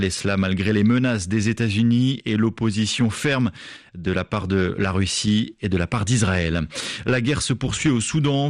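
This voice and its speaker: A man presenting a radio news bulletin, reading measured headlines with the odd hesitation. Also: lowish voice, no echo, clean studio sound. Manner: measured newsreading with occasional fillers. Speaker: news anchor.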